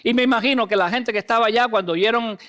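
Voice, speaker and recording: A man preaching a sermon as a pastor. He reads scripture, acts out the people in the story and moves between loud emphasis and hushed lines, with English fillers dropped into his speech. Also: extremely high pitch, fast. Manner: acts out the voices of the people in the text.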